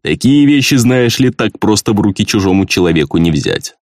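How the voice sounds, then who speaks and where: A man voicing a stern old gnome army colonel who talks in a gruff, matter-of-fact way. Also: lowish voice, expressive, a little fast, a little mellow, no echo, studio quality, close to an everyday voice.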